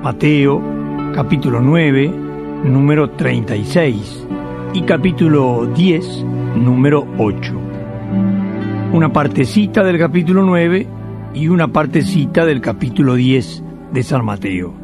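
A man narrating a devotional radio drama in a measured way. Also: medium pitch, expressive, music in the background.

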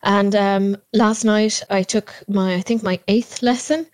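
A woman's voice: mid-range voice, steady tone, a little slow, darkish tone, no room sound. A woman with an Irish accent from Cork, a podcast guest talking with enthusiasm and often repeating words as she gathers her thoughts. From Ireland. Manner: enthusiastic, repeats words while searching for phrasing. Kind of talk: conversational interview. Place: home.

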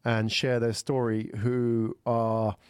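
A man in his forties hosts a casual interview at a middle pitch. He prompts his guest in a friendly way, with plenty of fillers. The recording is dry and close. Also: completely flat delivery, slow, darkish tone, clear, resonant tone, no room sound. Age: 40s. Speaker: podcast host.

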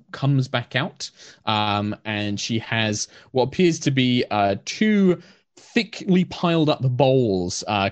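A man narrating a tabletop game as game master, describing scenes in an unhurried way with frequent fillers. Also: mid-range voice, no echo.

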